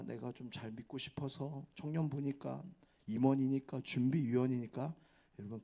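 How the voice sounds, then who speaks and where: A man preaching a revival sermon to a youth retreat, lively and questioning the audience, dropping at times into hushed whispers. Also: medium pitch. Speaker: pastor. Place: church hall.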